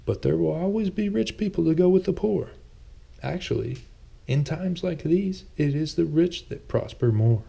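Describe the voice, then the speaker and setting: A man's voice: a little high, lively intonation, normal speed, vocal fry, dark tone, slightly rough, pitched above the performer's own voice, full character voice. A man voicing a friendly, well-off jeweler who used to be a swordsman, explaining things affably and a little defensively in a fantasy audiobook. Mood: earnest, explaining.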